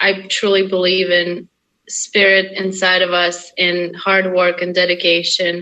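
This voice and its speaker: Bright and sharp in tone, a woman talks at a fairly slow pace. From Russia, Moscow. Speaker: actress. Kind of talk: interview.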